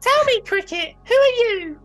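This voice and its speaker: A man voicing a naughty, insolent wooden puppet boy who is quick to anger, in a childlike put-on voice for a storybook. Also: animated, fairly bright tone. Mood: wary, questioning. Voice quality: high-pitched, childlike put-on voice. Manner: defiant, bossy.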